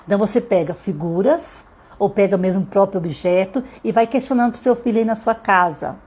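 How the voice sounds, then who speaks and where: A woman with a Brazilian Portuguese accent, a literacy teacher giving a live online lesson to mothers. She talks to them directly and slows down to sound out words syllable by syllable. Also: medium pitch, a little mellow, slightly rough.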